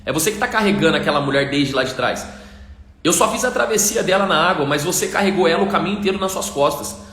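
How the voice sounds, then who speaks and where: A man voicing a calm, wise male monk answering quietly. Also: a little high, quick pace. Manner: quiet, even reply. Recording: echoey room.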